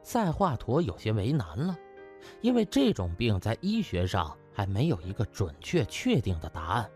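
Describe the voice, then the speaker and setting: A man's voice: lowish voice, wildly swooping pitch, normal speed, a little mellow, soft background music. A man narrating a comic novel as a scripted, dramatic audiobook.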